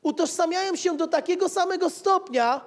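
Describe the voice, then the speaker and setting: A man's voice: extremely high pitch, moderate pace. A man, preaching a sermon as pastor with rhetorical repetition and casual asides, holding a mic. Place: church hall with pews. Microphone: handheld mic. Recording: reverberant church hall.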